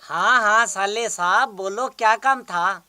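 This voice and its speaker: A man's voice: high-pitched, slow pace, pushed and bright, clean tone, exaggerated voice. A man playing a henpecked young house-husband in a comedy skit, complaining and pleading to get away. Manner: whining, pleading.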